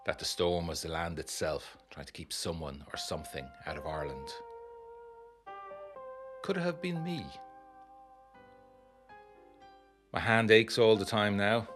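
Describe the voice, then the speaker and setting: A troubled 1920s gentleman acted by a man voices a letter in a gothic audio drama. His voice is deep and very expressive, formal and brooding, over soft guitar music. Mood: haunted, brooding.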